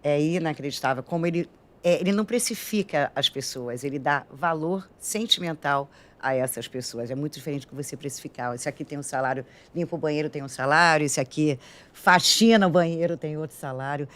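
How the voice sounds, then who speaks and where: A woman's voice: low voice, fairly quick, fairly bright tone. A woman hosting a podcast in a radio studio, chatty and openly admiring her guest. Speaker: podcast host. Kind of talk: casual studio talk.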